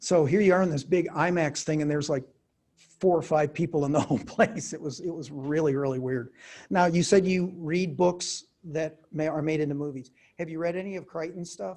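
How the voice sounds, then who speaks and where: A man with a fairly high pitch talks with a Minnesotan accent. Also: ordinary pitch variation, fairly quick pace. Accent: Minnesota. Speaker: professor. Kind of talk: lecture.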